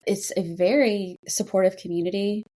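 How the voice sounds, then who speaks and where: A woman's voice: medium pitch, steady tone, moderate pace, dark tone. A woman co-hosting a writing podcast, talking in a casual, candid and chatty conversational way. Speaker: podcast co-host and fiction writer.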